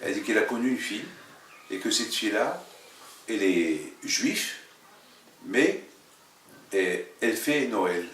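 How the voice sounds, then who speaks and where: Halting, emphatic man teaching in an echoey room. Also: on the low side, expressive, a bit bright, slight background noise. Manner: repeats phrases, halting, emphatic. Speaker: religious teacher, rabbi leading a class. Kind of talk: informal religious lesson with questions. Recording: echoey room, mic at a distance.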